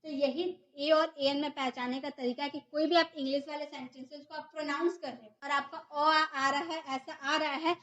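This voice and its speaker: A woman's voice: high-pitched, fairly even intonation, moderate pace, hardly any pauses, fairly bright tone, muffled recording. A woman teaching a grammar lesson, who explains step by step and asks and answers her own questions. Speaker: English teacher.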